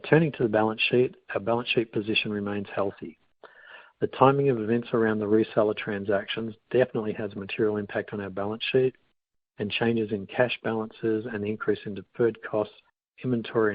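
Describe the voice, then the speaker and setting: A man with a fairly low, very even voice delivers prepared financial remarks on an earnings call. His reading is formal and measured, with little melodic movement. The sound is narrow like a telephone line. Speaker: company finance executive. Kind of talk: scripted earnings call presentation. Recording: boxy phone-like line with room echo.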